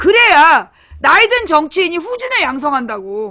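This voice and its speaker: A woman's raised, projected voice has a bright, sharp tone. Her pitch swings very widely. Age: 40s. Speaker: political commentator. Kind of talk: political commentary monologue. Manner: casual, conversational.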